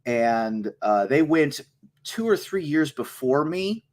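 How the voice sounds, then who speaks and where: A man's voice: on the high side, sing-song, darkish tone. Upbeat joking radio co-host man. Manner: upbeat, joking, quick asides. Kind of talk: casual radio chat. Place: radio studio.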